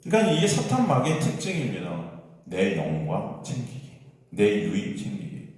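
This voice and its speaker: A male pastor preaches with a lively, rising and falling voice, acting out quoted prayers and putting questions to the congregation. He is picked up from some distance, so the sound carries a long, roomy reverb from the church hall. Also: fairly low pitch, moderate pace. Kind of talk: sermon.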